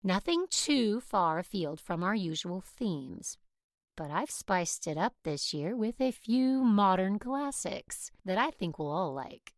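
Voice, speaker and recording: Woman playing a stern, brisk Catholic nun teacher. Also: mid-range voice, very animated, dry recording, clean studio sound. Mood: brisk, formal announcing. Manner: measured, formal, admonishing. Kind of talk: audio drama acting.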